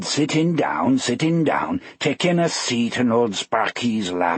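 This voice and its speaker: A man's cackling, put-on character voice at medium pitch, fairly slow, with lively intonation and very even loudness. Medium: read story. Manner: cackling, impish.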